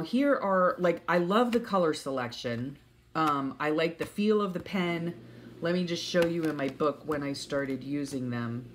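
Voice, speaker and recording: A woman's voice: on the low side, a little hiss or hum. A woman vlogger chatting casually and a bit hesitantly at home, rambling along in a congested, sniffly voice. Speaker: vlogger showing stationery.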